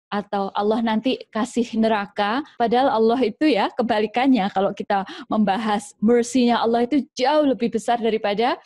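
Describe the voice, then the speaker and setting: A woman doctor giving casual parenting tips, lively and acting out how parents scold their children. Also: fairly high pitch. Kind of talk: informal educational talk.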